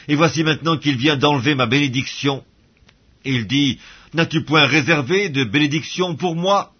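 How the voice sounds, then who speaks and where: A man, reading scripture aloud in a measured, solemn way. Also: mid-range voice, husky, highs cut off. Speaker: Bible reader.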